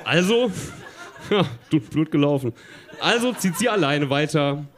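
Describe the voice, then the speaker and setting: A man's voice: a little high, lively intonation, measured pace, fairly bright tone. Chuckling man reading a children's story. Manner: chuckling, stumbling over words, addressing listeners.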